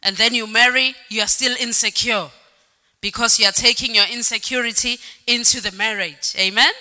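Bright and forceful, the preacher's voice runs high yet steady at normal speed as she gives a sermon in a church hall. Repetition and calls of "Amen" stress her points, she sings certain lines and changes pace, and the echoing hall carries faint music.

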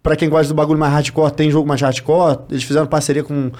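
Fast-talking slangy Carioca man. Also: fairly high pitch, flat delivery, a little mellow. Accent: Rio de Janeiro Brazilian Portuguese. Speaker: guest YouTuber. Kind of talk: casual podcast chat.

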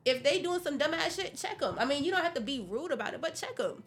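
A woman's voice: high voice, expressive, fast. A woman with an African American accent talking directly and assertively in a casual group discussion. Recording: clearly noisy background.

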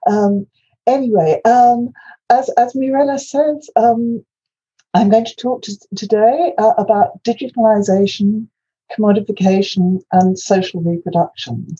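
Husky dark-voiced Welsh woman lecturing. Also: mid-range voice, highs cut off. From Wales. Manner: hesitant, many fillers and restarts. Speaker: invited academic speaker. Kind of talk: academic lecture.

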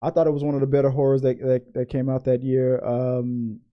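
A man's voice: medium pitch, flat delivery, brisk, smooth, highs cut off. A man co-hosting a casual podcast chat who rambles, restarts his sentences and laughs easily. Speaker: podcast co-host.

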